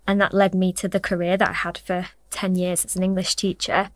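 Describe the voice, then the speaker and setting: A woman's voice: on the low side, flat delivery, fairly quick, no echo. A woman in her thirties, a former English teacher, talking with giggly enthusiasm as an interviewee. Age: 30s.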